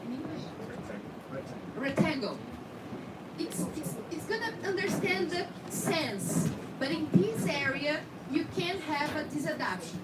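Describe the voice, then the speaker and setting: A woman's voice: high-pitched, very animated, unhurried. A woman from Brazil with a Brazilian accent and Portuguese as her first language, giving a hands-on technical demonstration and often checking that trainees follow. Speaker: instructor in dental scanning. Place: indoor training room with background noise. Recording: echoey room, distant mic, heavy noise.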